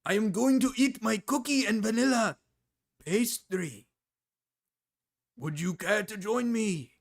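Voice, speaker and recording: A man delivering a deliberate, drawn-out monologue, as if performing to camera. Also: high voice, creaky.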